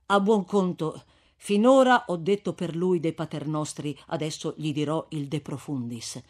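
A man voicing a resolute young man who speaks briskly and eagerly. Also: a little high, close to an everyday voice.

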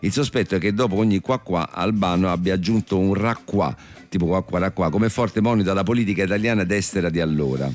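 A man hosting a radio comedy show, reading a scripted comic piece deadpan. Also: low voice, fast talker.

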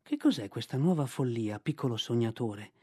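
A man voicing a calm, cool panther who speaks quietly. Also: mid-range voice, normal speed, slightly rough, no room sound, studio quality, voice pushed down. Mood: cool, dry.

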